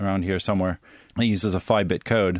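In a normal speaking voice, a man talks with an American accent, fairly low pitch and fairly even intonation. The recording is very clean and dry, with a silent background and a close sound with no echo. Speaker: software engineer. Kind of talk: technical panel discussion.

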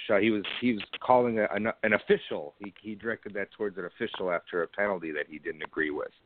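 In an American accent, a man with a plain, everyday voice and a fairly low pitch speaks at a moderate pace with ordinary pitch variation. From Northeastern Pennsylvania (West Pittston). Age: 30s. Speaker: sports writer. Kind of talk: interview. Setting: phone call. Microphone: static on phone line.

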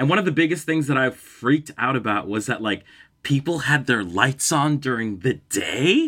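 In a New York accent, a man with a fairly high pitch speaks with lively intonation on a very clean recording with a silent background. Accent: New York American. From Colombia (Palmira), raised from 12 in Queens, New York. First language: Spanish. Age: 30s. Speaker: actor. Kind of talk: interview.

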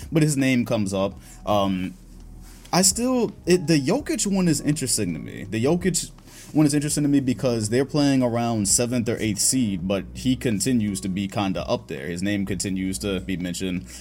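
Music plays behind a man with a medium-pitched voice. He talks at a moderate pace, his pitch swinging very widely. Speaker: podcast host. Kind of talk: casual chat.

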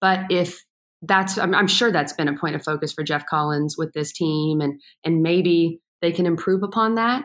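A woman with an American accent and an ordinary speaking voice talks at a moderate pace and a fairly low pitch. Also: ordinary pitch variation. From Texas, Austin. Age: young. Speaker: sports broadcaster. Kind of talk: casual chat.

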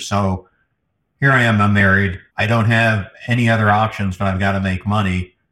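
Recorded very cleanly with a silent background, a man speaks at a fairly low pitch. His intonation stays monotone and flat. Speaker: author, speaker, former executive and Navy veteran. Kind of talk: interview conversation. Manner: articulate, fluent.

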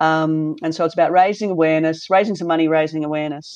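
In an Australian accent, a woman speaks at a very fast pace with a very deep, low pitch. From Tasmania, Australia. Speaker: non-profit CEO. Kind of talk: casual interview.

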